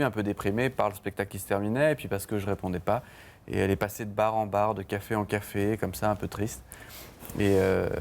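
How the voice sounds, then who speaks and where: A man's voice: lowish voice, darkish tone, slight background noise. A man, a band's songwriter, talking casually in a TV interview, hesitant, with many fillers and restarts. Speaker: band songwriter, interview guest. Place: TV studio.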